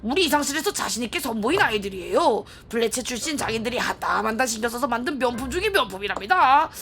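A woman's voice: on the high side, animated, fast talker, over music. Woman putting on a gushing boutique clerk, customer service voice. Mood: smug, gushing. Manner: polite customer service voice, sales patter. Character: gushing, boastful female boutique clerk for VIP clients. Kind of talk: acted reading of game dialogue.

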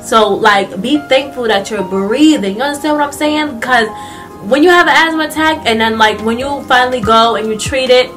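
Speaking at a normal pace with a fairly high pitch, this congested young woman vlogs to camera from a small room, soft music playing and the mic set far off. Her motivational talk is chatty and lively, packed with fillers like "like," and she gestures as she goes.

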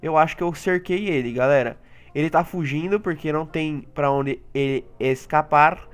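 Excitable high-voiced Brazilian gamer. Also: male voice, normal speed, clear, resonant tone. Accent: Brazilian Portuguese. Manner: excitable, talks to the audience, jumps into high yelps and laughter. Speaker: gaming YouTuber. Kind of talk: live gameplay commentary.

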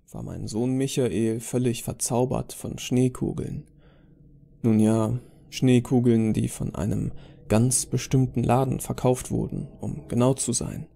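A man's voice: mid-range voice, gravelly, mellow. A man narrating a scripted creepypasta horror story.

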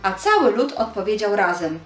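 A woman's voice: medium pitch, very animated, normal speed, reverberant, faint music behind. A woman giving a scripted narration of a Bible story for children.

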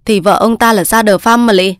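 A woman's voice: mid-range voice, fairly even intonation, brisk, dry recording, close to an everyday voice. A woman reading the part of a fussy, officious male court clerk, in a dry recording. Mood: polite.

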